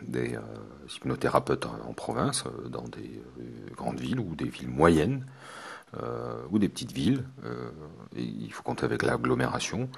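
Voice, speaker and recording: A man's voice: rumbling low, very animated, moderate pace, vocal fry, husky. A man from France, a hypnotherapist teaching a course, talking hesitantly with many fillers and restarts. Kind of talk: spoken lesson to students.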